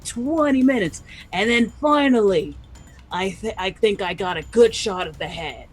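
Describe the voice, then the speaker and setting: Lady doing a little aussie noblin, bragging thru a dramatic hunting story, tabletop rpg. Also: fairly high pitch. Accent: Australian. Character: small Australian noblin storyteller, boastful adventurer. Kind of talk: in-character tall tale at a tabletop game.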